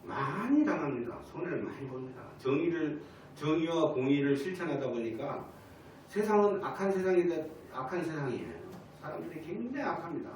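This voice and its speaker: A man with a high voice preaches in a Sunday service and swings his pitch up and down as he throws questions at the congregation. The sound comes from a distance in an echoey church hall, with a faint hum of the room behind him. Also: very animated, fairly quick, darkish tone. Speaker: pastor. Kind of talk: sermon. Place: church sanctuary.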